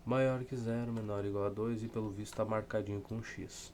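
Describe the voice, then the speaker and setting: Thinking aloud through textbook problems, this math tutor from southern Brazil rambles informally and pokes dry fun at himself. He talks briskly in a lowish, darkish voice with fairly even intonation, and a little hiss or hum is audible.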